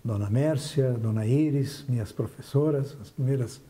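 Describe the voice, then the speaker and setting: Older man with a very dark voice reminiscing. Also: mid-range voice, moderate pace. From southern Brazil. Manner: reflective, restarts and trails off while remembering. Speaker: interview guest, businessman. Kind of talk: recalling his life in an interview.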